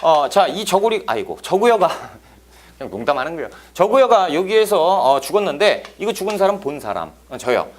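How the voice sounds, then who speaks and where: A man's voice: sits high, very animated, brisk. A man teaching a history exam course in a playful lecture, telling jokes and adding sound effects. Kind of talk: lively lecture with acted-out scenes.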